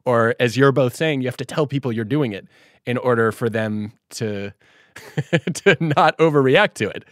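A young man hosts a podcast conversation. He talks in an animated way, changing his pitch and pace. The recording is dry and close-miked. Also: moderate pace, dry recording. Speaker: podcast host. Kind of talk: casual conversation.

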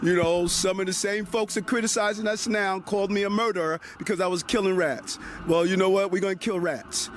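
Defiant high-voiced man in a played clip. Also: steady tone, brisk, hardly any pauses, a little hiss or hum. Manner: emphatic, defiant. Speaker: politician in a news clip. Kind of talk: public speech. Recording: played clip with faint music.

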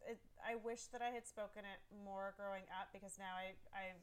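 A woman in her thirties whose first language is Farsi, an author chatting in an interview, animated and quick to laugh. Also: mid-range voice, clear, resonant tone. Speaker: author guest. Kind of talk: casual interview chat.

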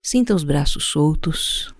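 A Brazilian-accented speaker guiding a meditation in a calm, soothing, unhurried way, leaving pauses between instructions. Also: mid-range voice, dry recording, clean studio sound. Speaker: podcast host guiding a meditation. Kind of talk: slow guided meditation narration.

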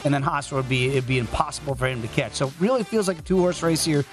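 A man's voice: on the high side, fast talker, soft background music. A man hosting a sports betting show, talking like a golf commentator giving running updates.

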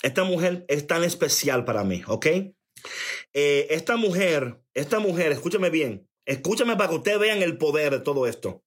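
Emphatic preacher man, fairly high voice. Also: animated, moderate pace, breathy edge. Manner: emphatic, repeats phrases, calls for attention; reads chat comments aloud. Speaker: preacher on a live stream. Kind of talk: sermon-style testimony.

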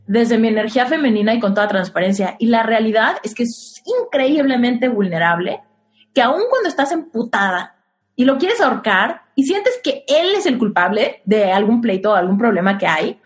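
A frank young Mexican woman talks through relationship advice in a casual, conversational way, often putting questions to her listener. Her voice sits a little higher than most. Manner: frank, uses rhetorical questions. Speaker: podcast host giving relationship advice.

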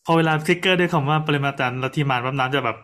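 A man in a casual podcast chat who asks quick follow-up questions. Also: medium pitch, a bit bright.

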